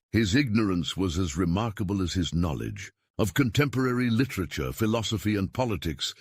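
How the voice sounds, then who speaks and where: A man reading a literary story as narrator, in a measured, formal storytelling manner. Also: low-pitched, husky, no room sound, clean studio sound. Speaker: audiobook narrator.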